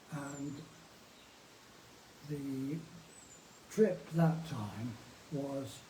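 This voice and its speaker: Amid noticeable background noise and audible room echo, a man speaks in a fairly high voice. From England, London. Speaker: elderly resident interviewed. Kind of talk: life story interview. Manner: halting, with fillers.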